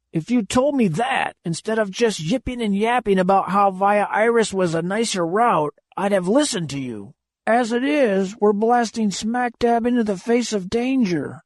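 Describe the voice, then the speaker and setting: A man voicing a blustering older spaceship captain, gruff and roaring. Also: high voice, no echo, clean studio sound, pitched above the performer's own voice.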